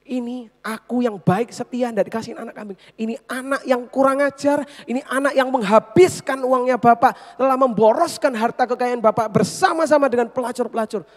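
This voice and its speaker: A woman's voice: mid-range voice, animated, moderate pace, mellow, husky, in a large hall. A woman voicing a resentful elder son who complains to his father that he has been treated unfairly. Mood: aggrieved. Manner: aggrieved, complaining.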